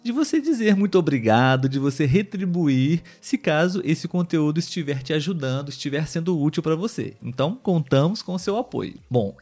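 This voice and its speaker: A Brazilian man co-hosting a Portuguese lesson, explaining expressions clearly and slowly and often ending with a tag question. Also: on the high side, a little mellow. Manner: clear, slow teacher talk with tag questions. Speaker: co-host of a Portuguese lesson channel.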